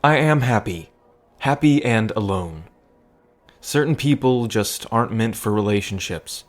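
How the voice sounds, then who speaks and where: An actor in an audio drama playing a guarded, pragmatic worrier, earnest and defensive, sometimes halting. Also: male voice, on the low side, animated. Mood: guarded, firm. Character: guarded, worrying man, pragmatic, once heartbroken.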